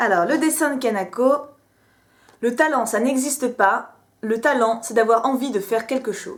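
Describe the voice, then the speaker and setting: In a high voice with ordinary pitch variation, a woman talks at a fairly slow tempo. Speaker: beauty box unboxing vlogger. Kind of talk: casual unboxing vlog.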